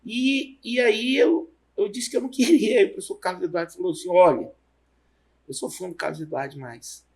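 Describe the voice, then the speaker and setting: Husky-voiced Amazonian professor, halting. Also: male voice, high-pitched. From Amazonas, Brazil. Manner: rambling, halting storytelling with restarts. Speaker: university professor, guest. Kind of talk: relaxed career interview.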